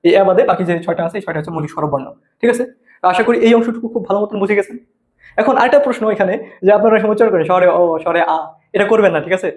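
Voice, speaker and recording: A man's voice: high voice, rapid-fire. A man teaching a grammar class, explaining step by step and answering his own questions. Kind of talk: grammar lesson lecture.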